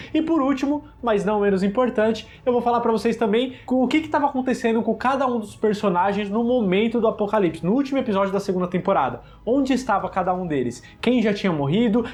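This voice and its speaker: A man's high-pitched voice at a very fast pace, with ordinary pitch variation and hardly any pauses. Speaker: YouTuber, TV series reviewer. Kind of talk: video recap of a TV series. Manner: animated.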